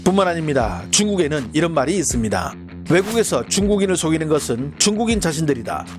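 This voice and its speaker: A man's voice: fairly high pitch, sing-song, music in the background. A man narrating as a channel host in a formal, scripted news-commentary style. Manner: brisk, formal delivery.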